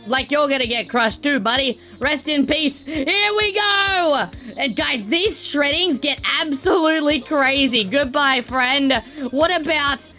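An excitable woman giving playful let's-play commentary, with a high, lively voice that swings up and down. She keeps exclaiming and chatting to the characters on screen. Faint game music plays underneath. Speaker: gameplay commentator.

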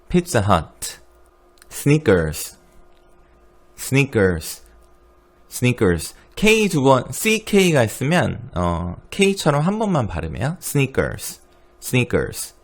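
Korean teacher, male, low and animated, slow drilling of brand names, repeats each word. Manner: repeats each brand name slowly, then explains. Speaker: English pronunciation teacher. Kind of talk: lively pronunciation lesson.

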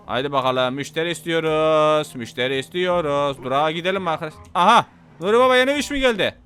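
A man giving casual, excitable commentary while playing a game, talking to his viewers and to the passengers in the game. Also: high voice, clean tone. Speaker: gameplay commentator.

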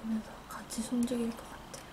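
A woman's voice: fairly high pitch, monotone, fast talker, whispered. A woman chatting along casually in polite speech during a nail art session in a studio. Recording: clear background noise in room.

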